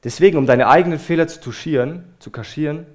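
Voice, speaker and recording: A man preaching a sermon, earnest and emphatic, speaking straight to his listeners and letting many phrases fall quiet at the end. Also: fairly high pitch, quick pace.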